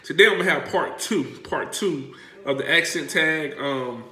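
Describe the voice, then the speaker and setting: A man with a Southern Black accent from the South Carolina Lowcountry, touched by Gullah, explaining things casually and colloquially to camera. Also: normal speed, bright, forceful tone. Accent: Southern Black American, South Carolina Lowcountry with Gullah influence. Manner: informal, folksy, colloquial. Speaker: vlog host. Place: bright room at home, indoors. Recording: roomy, echoing indoor sound.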